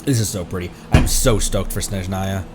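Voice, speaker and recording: A man doing casual live game stream commentary, excitable, exclaiming and thinking out loud as he plays. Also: low voice, moderate pace, over loud music. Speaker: streamer, VTuber.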